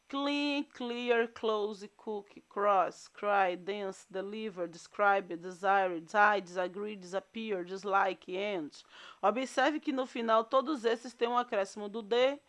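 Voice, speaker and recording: A Brazilian woman teaching an English grammar lesson, explaining rules step by step and reading out long word lists. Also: fairly high pitch. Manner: slow, deliberate explanations with drawn-out word lists. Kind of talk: recorded class lesson.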